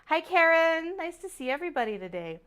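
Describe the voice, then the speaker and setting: A woman hosting a live-streamed jewelry sale, chatty and upbeat, greeting viewers by name, her voice a little raspy from a sore throat. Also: extremely high pitch, sing-song, fairly quick, fairly bright tone. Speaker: jewelry show host. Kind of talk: live-stream sales chat.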